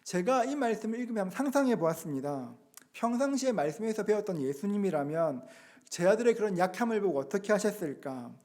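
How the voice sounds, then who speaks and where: Earnest high-voiced pastor preaching. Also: male voice, very animated, fast talker. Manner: earnest, asks the congregation rhetorical questions; gently acts out quoted words. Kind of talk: Sunday sermon.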